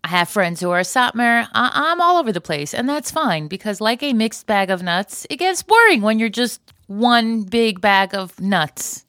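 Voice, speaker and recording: A woman's voice: fairly high pitch, animated, normal speed, hardly any pauses, fairly bright tone, no echo, clean studio sound. A woman hosting a solo podcast in a chatty, conversational way, with wry, joking asides. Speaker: podcast host.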